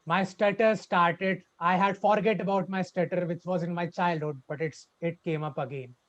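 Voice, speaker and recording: A young man telling his personal story as a club speech, halting and repeating words with a stutter. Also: high voice, steady tone, fairly bright tone. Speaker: club speaker. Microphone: video call. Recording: dull lo-fi online call audio.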